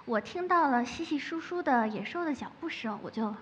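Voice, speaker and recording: A woman who makes ASMR, giving a lively public talk from a stage with playful asides. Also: high-pitched, brisk. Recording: echoey hall, muffled, faint noise.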